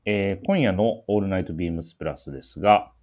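A man hosts a casual talk show. He speaks quickly and banters with his partners in a teasing way. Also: deep voice, darkish tone. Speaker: show host, MC. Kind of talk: casual radio-style talk.

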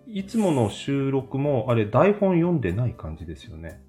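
A woman with a strikingly deep voice hosts a chatty interview. Her intonation swings widely, and her tone is soft and mellow over background music. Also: huge pitch swings, normal speed. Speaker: interviewer and show host.

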